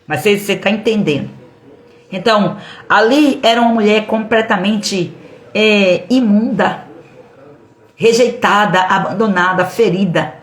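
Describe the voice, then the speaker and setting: A middle-aged Brazilian woman preaches with a lively, expressive delivery in a livestream sermon. She acts out the voices of the people she quotes. The sound is roomy, with faint music underneath. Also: medium pitch. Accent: Brazilian Portuguese. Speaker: pastor.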